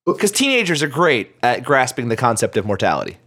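A man's voice: medium pitch, brisk. Chatty man hosting a podcast. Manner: relaxed, chatty, laughs often. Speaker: podcast host. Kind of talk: casual podcast chat.

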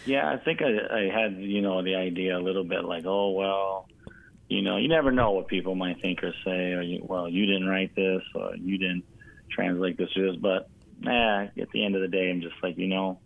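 A man's voice: low voice, normal speed, vocal fry. An American man talking casually and earnestly as an interview guest, rambling a little, over a tinny, narrow line. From United States. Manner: rambling, earnest, often says "you know". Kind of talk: casual conversation.

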